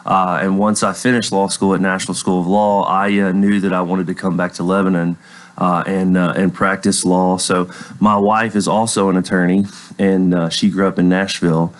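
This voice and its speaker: A man's voice: low voice, flat delivery, moderate pace. A man from Tennessee, explaining his work as a guest attorney in a polite, earnest, conversational way. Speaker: elder law attorney, interview guest. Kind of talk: conversational radio interview.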